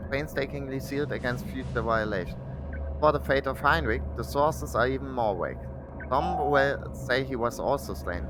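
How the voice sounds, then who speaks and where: A man from Germany with a German accent, reading game texts aloud on a livestream and adding casual comments. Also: mid-range voice. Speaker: game streamer.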